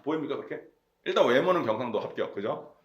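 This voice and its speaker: A man's voice: mid-range voice, lively intonation, quick pace, dull audio. A talkative man with a Gyeongsang accent, preaching a casual, conversational sermon and often checking in with his congregation. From Gyeongsang region, South Korea.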